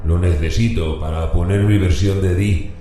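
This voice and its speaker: Man playing a deep, resonant half-human goat-faced giant. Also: steady tone, dark tone, natural voice. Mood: pleading. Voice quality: strange, resonant voice. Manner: slow, formal, insinuating. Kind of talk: horror radio drama acting. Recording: heavily echoing, music underneath.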